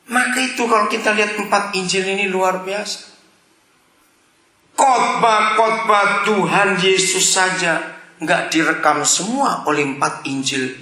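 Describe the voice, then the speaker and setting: A man preaching a sermon to a congregation, animated, calling out to the listeners, swinging between shouting and quiet asides. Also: high-pitched. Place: church hall. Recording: echoey church hall.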